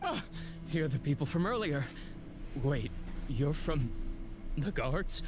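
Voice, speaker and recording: Bernard, a cowering smuggler. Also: male voice, a little high, expressive, takes it slowly, background noise. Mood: startled. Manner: pleading, defensive, self-pitying. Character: cowardly guilty male smuggler begging for mercy. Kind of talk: game voice acting.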